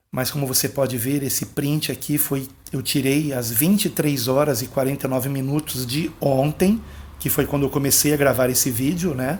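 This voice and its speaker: Soft-spoken and somewhat breathy, a man with a fairly high pitch talks at a moderate pace with fairly even intonation. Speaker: pastor. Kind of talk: casual video talk on biblical prophecy. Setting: at home, recording late at night.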